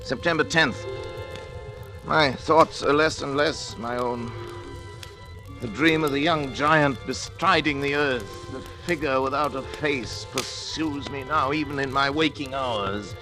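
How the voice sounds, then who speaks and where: An actor in an old radio drama playing a frightened scientist, theatrical and prone to frantic outbursts. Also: male voice, medium pitch, measured pace, close to an everyday voice. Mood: brooding. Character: frightened male scientist, haunted by his creation. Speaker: lead actor and narrator of diary entries. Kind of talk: 1940s radio acting. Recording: old radio broadcast with music.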